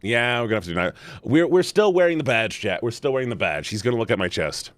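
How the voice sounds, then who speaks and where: Playful, animated man streaming a game. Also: fast, no room sound. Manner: playful, jokey, laughing, swings between high and low. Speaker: streamer playing a visual novel. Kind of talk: live game commentary and reading aloud.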